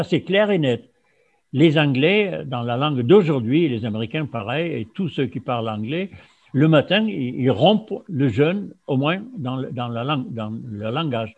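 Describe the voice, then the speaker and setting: A man from Germany whose first language is German, giving an informal talk with many pauses and restarts. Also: mid-range voice, a little mellow. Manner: halting, many fillers and restarts. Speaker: speaker on fasting. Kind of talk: informal lecture to an audience. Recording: dull lo-fi sound.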